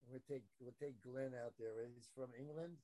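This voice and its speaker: A man's voice: medium pitch, moderate pace, dark tone, no room sound. Faint muffled man, as through a wall. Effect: faint, muffled and distant, as if heard through a wall. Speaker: participant in a video call chat. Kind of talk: casual group chat. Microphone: phone with headphones on a video call.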